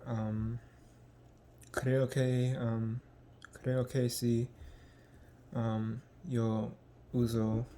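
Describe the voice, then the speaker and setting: Halting young American man, very flat. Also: medium pitch, a little hiss or hum. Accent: American English. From United States. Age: young adult. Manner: halting, searching for words with many ums. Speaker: language learner. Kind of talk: casual vlog.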